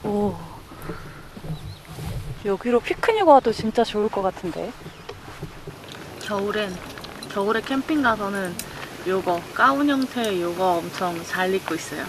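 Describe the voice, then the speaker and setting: Woman, mid-pitched voice, casual solo camping vlog chat, informal self-talk, clearly noisy campsite recording. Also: expressive, unhurried, pauses often. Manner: informal, talking to herself and viewers. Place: campsite, outdoors and in a tent.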